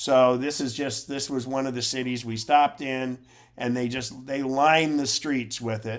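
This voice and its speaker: Here a man talks at medium pitch and a moderate pace. His intonation is monotone and flat. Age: 60s. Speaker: computer class instructor. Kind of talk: presentation to a class. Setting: video call. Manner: casual, conversational.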